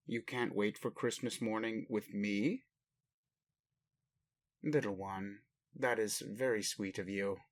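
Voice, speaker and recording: Guy doing an old alien daddy, slow n formal, kinda bemused by humans but soft on his little one, roleplay audio. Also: lowish voice. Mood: gentle, bemused. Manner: slow, formal phrasing with pauses, addresses listener as human. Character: ancient gruff-but-doting alien father, formal and bemused. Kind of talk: roleplay audio addressed to the listener.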